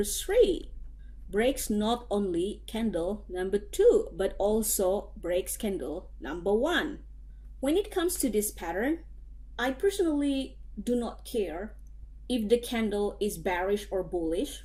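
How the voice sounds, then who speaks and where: A woman with a non-native accent, at a fairly slow pace. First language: not English. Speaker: forex trading educator. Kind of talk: tutorial.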